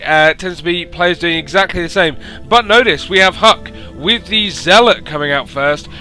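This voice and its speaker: A man, hoarse from losing his voice, hosting and commentating a strategy game by himself and rising to excited announcing at big moments. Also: a little high. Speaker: esports caster and show host.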